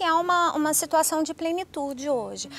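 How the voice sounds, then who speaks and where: Music plays in the background. Over it, a woman speaks in a raised, projected voice. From Maranhão, Brazil. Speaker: animal science professor. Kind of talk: interview. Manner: halting.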